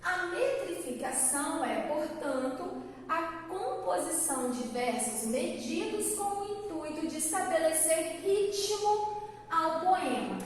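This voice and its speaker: A woman's voice: very high voice, lively intonation, takes it slowly. Woman teacher, patient explainer who sings out words; long reverb, faint noise behind. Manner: explanatory, checks in with "certo?" and "tá?"; calls out words in a stretched, sung tone. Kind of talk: recorded classroom lesson. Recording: echoey hall from far off, faint background noise.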